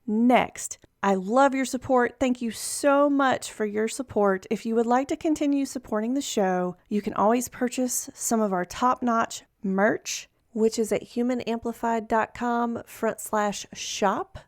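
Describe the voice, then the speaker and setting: A woman's voice: on the high side, a little slow, hardly any pauses, dry recording, studio quality. A woman hosting a podcast, reading promos and interviewing a guest with an upbeat, enthusiastic delivery. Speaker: podcast host.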